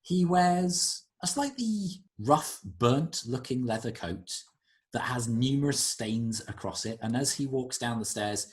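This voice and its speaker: A man running a tabletop game as game master, his narration lively and animated with wide swings in pitch. He describes scenes at length in a relaxed, storytelling way.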